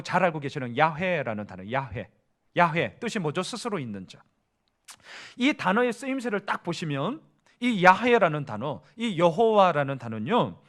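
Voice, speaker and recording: In a church, a high-voiced male pastor preaches an animated sermon packed with rhetorical questions.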